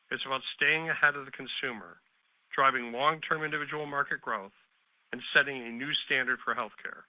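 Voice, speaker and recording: A man presenting scripted earnings remarks as a company executive, in a deliberate, declarative reading style. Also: medium pitch, bright, forceful tone, no echo. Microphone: conference call line. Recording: dull, band-limited call audio.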